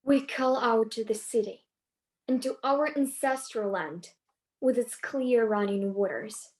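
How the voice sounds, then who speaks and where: A woman's voice: on the high side, measured pace, darkish tone, lightly acted. A woman playing a dutiful, earnest suppliant daughter in a dramatic reading of a Greek tragedy. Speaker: actor.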